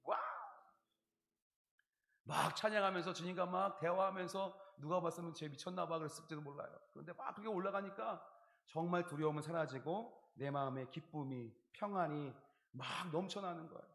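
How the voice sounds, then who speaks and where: Man preaching with lively storytelling, echoey church. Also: on the high side, moderate pace, creaky. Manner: storytelling, acting out his own inner dialogue and singing hymn lines. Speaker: pastor. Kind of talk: sermon. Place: church sanctuary. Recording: echoey church hall recording.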